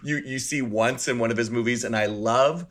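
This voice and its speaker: A man hosting a casual film discussion podcast, enthusiastic and quick to laugh, with plenty of fillers. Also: medium pitch, a bit bright. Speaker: podcast host.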